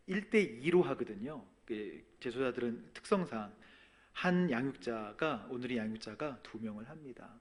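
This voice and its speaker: A man preaching a sermon as a pastor, telling a personal testimony and swinging between soft and loud. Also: mid-range voice. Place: church sanctuary.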